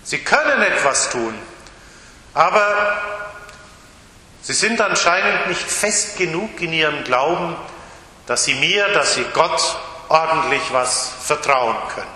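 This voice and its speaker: A man's voice: fairly high pitch, slow pace, bright, forceful tone, heavily acted. A man voicing a disappointed, impatient male religious teacher, emphatic and exasperated, recorded in an echoey church hall.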